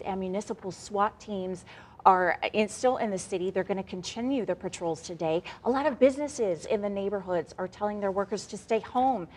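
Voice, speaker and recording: A woman anchoring a live local morning TV newscast, talking to viewers directly in a conversational way. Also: mid-range voice.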